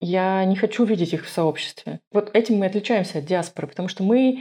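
At a moderate pace, the woman talks in an ordinary speaking voice with a medium pitch. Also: quiet background. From Russia. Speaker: physicist and activist community founder. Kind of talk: casual interview.

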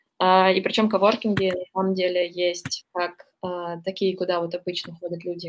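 With hardly any pauses, a woman speaks at a moderate pace in a fairly low pitch and monotone, flat intonation. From Moscow, Russia. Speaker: marketer. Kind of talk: interview.

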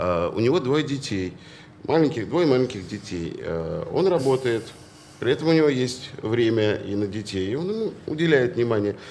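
At a moderate pace, a man speaks in a medium pitch with very wide pitch swings. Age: 40s. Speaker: rock band frontman. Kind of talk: casual chat.

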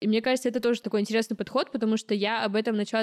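A woman's fairly high voice with fairly even intonation, dry and close with no echo. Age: 20s. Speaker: podcast host. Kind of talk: casual chat.

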